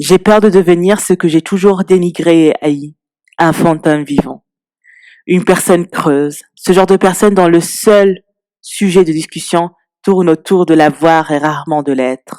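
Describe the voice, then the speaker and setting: A woman with a fairly low voice and a dark, mellow tone speaks at a fairly slow pace with fairly even intonation. The sound is dry and close, with no echo. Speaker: booktuber. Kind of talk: scripted narration. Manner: reflective.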